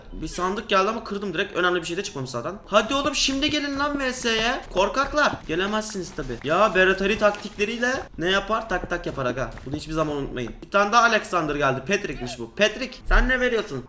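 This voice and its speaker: Young male gaming streamer, high bright voice, excitable jokey commentary, slightly echoey room. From Turkey. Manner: excitable, joking, talks to the viewers and game animals. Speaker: gaming YouTuber. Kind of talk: Minecraft gameplay commentary.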